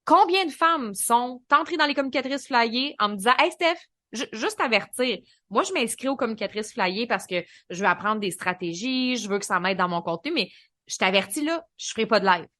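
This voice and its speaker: A woman with a Québécois French accent hosting a solo podcast, coaching in a lively, colloquial way. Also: on the high side, brisk, no room sound, studio quality. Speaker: podcast host and business coach.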